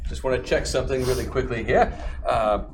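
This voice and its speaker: A man's voice: medium pitch, brisk, a little hiss or hum. A man talking casually as a player in a tabletop game, partly in character. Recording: music playing behind.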